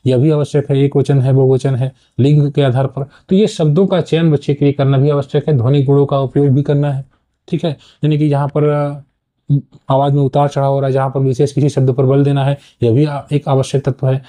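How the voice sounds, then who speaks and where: A man's voice: medium pitch, little pitch movement, a little fast, dark tone. A man teaching an exam-prep lesson, explaining step by step and often checking in with "okay". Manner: explanatory, frequent "ठीक है" checks.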